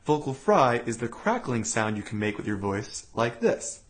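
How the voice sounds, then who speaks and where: Guy teaching vocal cord exercises, calm and clear, voice goes up and down a lot. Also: medium pitch, normal speed. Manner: calm, clear step-by-step explaining with sung demonstration sounds. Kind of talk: instructional voice lesson.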